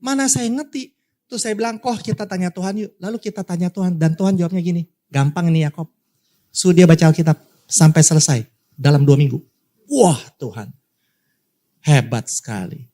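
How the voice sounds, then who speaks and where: A male pastor tells a story from the pulpit with lively swings in his delivery, slipping into the voices of the people in it. His voice sits a little higher than most men's. He keeps turning to address the congregation directly. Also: a little fast, pauses often. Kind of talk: sermon storytelling.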